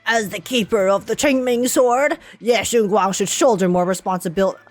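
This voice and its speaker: A woman's voice: mid-range voice, normal speed, natural voice. A woman reads out a stern old male elder in a video game. He is grumpy and pompous, scolding formally, over faint music. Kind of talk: reading game dialogue in character.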